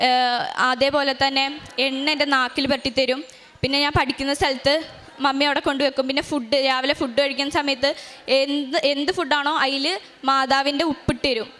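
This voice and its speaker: A teenage girl giving an emotional personal testimony at a shrine, halting with frequent restarts and fillers. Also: sits high, a bit bright. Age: teens. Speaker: testimony giver. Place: shrine stage.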